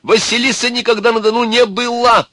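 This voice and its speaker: A man voicing a small, white-haired old sage who is excitable and stern, speaking in a shrill, high tone. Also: brisk, no echo. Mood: agitated. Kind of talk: audiobook character voice.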